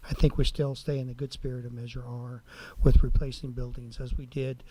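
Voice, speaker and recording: A man's voice: mid-range voice, little pitch movement, fairly quick, warm tone, dry recording, poor audio. A man giving informal, colloquial remarks as a council member in a public meeting.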